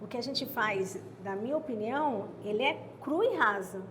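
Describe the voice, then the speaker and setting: High-voiced woman co-hosting a chat. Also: expressive, normal speed, fairly bright tone, slight background noise. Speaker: co-host. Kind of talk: casual church podcast chat.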